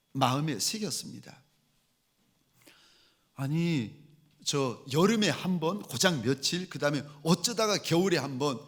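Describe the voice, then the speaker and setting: Korean pastor telling a heartfelt story. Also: male voice, on the high side. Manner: emotional storytelling, swinging between hushed and raised voice. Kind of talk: sermon with personal story.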